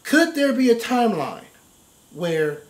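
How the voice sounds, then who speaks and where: An American man in casual discussion, thinking aloud in a halting, emphatic way and often repeating himself. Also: very high voice, sing-song. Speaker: reaction show host. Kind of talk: casual chat, video game story discussion. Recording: roomy, echoing space.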